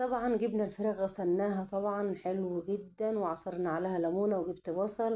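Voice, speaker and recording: With a dark, mellow tone and medium pitch, a woman speaks at a fairly slow pace using fairly even intonation. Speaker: cooking vlogger. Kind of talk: cooking tutorial. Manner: halting.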